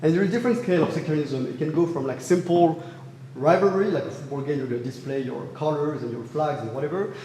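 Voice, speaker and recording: Young French-accented student presenter, slightly high voice, echoey hall with long reverb. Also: male voice, fast talker, dark tone, slight background noise. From France. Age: young adult. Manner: earnest, with frequent fillers and restarts. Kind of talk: academic thesis presentation. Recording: roomy hall reverb, faint ambience.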